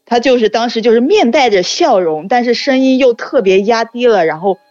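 A woman casually telling a childhood story, acting out the dialogue in quick bursts. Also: on the high side, expressive, darkish tone, dry recording, lo-fi sound, faint music behind.

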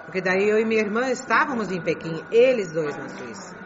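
Halting middle-aged woman, muffled crowd. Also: medium pitch, expressive. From grew up in Beijing, China. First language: Chinese. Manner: halting, repeats phrases, restarts words. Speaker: interview guest. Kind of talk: conversational interview. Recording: muffled with crowd murmur behind.

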